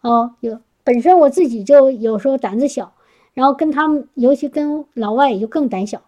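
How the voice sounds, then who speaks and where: A woman's voice: high-pitched, normal speed, warm tone. A woman speaking to a congregation, sharing a personal testimony in an earnest, chatty way with frequent restarts. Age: adult working professional.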